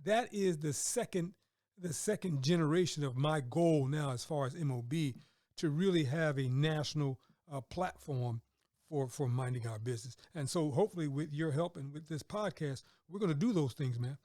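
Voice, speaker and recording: A man's voice: on the high side, moderate pace, a little mellow, no room sound, studio quality. A middle-aged man hosting a conversational interview, affirming and repeating words and phrases for emphasis. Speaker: podcast host and business mentor.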